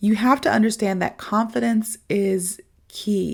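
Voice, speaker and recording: At a fairly slow pace, a woman with an American accent speaks in a fairly high, somewhat breathy voice, recorded very cleanly against a silent background. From United States. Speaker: English teacher and podcast host. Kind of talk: casual podcast monologue. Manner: casual, filler-heavy.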